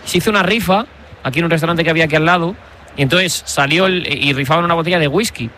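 A man with a bright, fairly high voice hosts a football radio show. He talks fast and teases his colleagues with stories. A faint noise runs underneath. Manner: fast, teasing storyteller. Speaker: radio sports show host.

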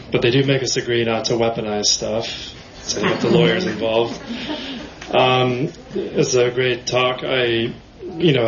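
Soft-spoken man asking a rambling question. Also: medium pitch. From Kansas. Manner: rambling, hesitant, many fillers. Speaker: audience member, lab scientist. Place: bookstore event audience. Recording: roomy, muffled, light hiss.

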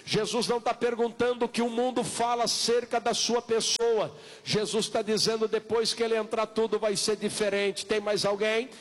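A Brazilian man preaches in a high voice, as a pastor at an altar call. He exhorts insistently, repeating short appeals and stretching out key words in the Portuguese of Brazil. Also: flat delivery. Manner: insistent, repetitive exhortation with drawn-out calls. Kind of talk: evangelical sermon, altar call and prayer.

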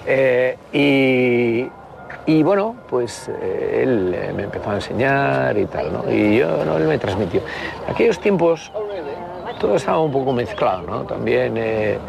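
A man's voice: medium pitch, sing-song, unhurried, creaky. A man, telling memories in a reflective, anecdotal way with many hesitations. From Basque Country. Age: 60s. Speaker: interviewee, party member. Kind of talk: reminiscing in a walking interview. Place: outdoors on a city street. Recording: outdoor street noise with traffic.

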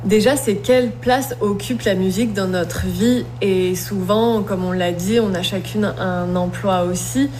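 A woman speaking as a guest in an interview, reflective and unhurried. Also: medium pitch, steady tone, a little mellow, faint music behind. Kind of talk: radio interview.

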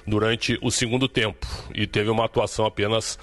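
A man delivering a sports report in a steady, informative way. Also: on the low side, fairly quick. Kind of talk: read report.

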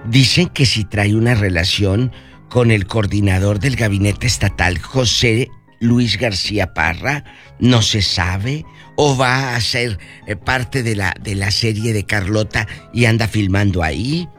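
A man's voice: on the low side, measured pace, fairly bright tone, soft background music. A man hosting a radio show, gossiping about celebrities in a campy, chatty and theatrical way. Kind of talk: gossip chat.

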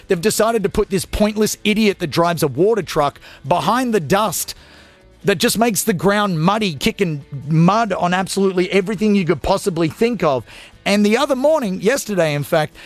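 A young Australian man hosting a late-night radio show, ranting crudely and comically to listeners in a studio. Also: sits high. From Australia (Gold Coast, Queensland). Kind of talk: energetic talk radio monologue.

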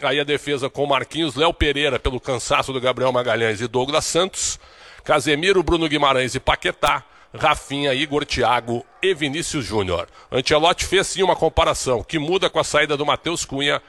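A man giving a steady, informative sports report as correspondent for a radio show. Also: fairly high pitch, fairly quick.

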